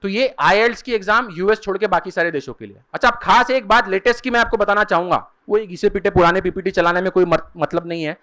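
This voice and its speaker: A man giving a lecture at a seminar, explaining step by step and repeating key terms slowly. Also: high voice, pushed and bright. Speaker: career guidance speaker. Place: seminar hall.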